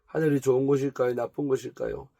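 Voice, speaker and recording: A man reading aloud the questions of a pastor's wife counseling a troubled woman, pointed and calm. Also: medium pitch, quick pace, gravelly, no room sound. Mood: gentle.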